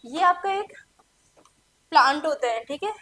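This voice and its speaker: High-voiced Indian woman teaching English. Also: animated, a little slow, pushed and bright, slight background noise. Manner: asks the class questions and answers them herself. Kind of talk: exam-prep lesson.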